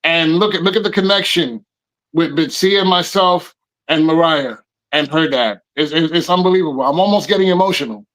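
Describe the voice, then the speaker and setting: Effusive fifty-something man, high voice. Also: fairly quick, a bit bright, rough recording. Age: 50s. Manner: effusive, repeats phrases for emphasis. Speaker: podcast guest DJ. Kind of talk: casual podcast chat.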